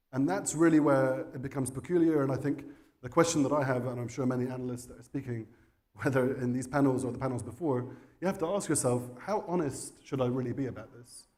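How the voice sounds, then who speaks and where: A man on a conference panel makes his case firmly, pressing each point without backing down. His voice is mellow and dark in tone. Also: medium pitch. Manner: forceful, insistent argument. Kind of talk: panel discussion. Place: conference hall.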